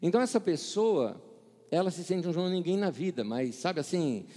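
A man's voice: sits high, animated, normal speed, warm tone, in a large hall. A middle-aged man from Brazil preaching a sermon, telling funny stories, acting out the dialogue and laughing at his own jokes. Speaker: pastor. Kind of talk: sermon with humorous anecdotes.

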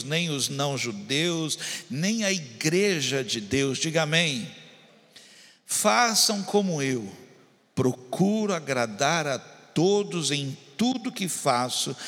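Man, pastor, sermon, direct to congregation, bright voice, fairly high, long hall echo. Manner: preaching with rising intensity, addressing the congregation directly.

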